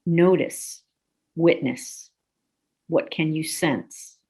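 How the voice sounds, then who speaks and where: Slow, soothing woman guiding meditation. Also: low voice, slightly rough. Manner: slow, soothing, gently instructive. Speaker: meditation guide. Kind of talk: guided relaxation meditation.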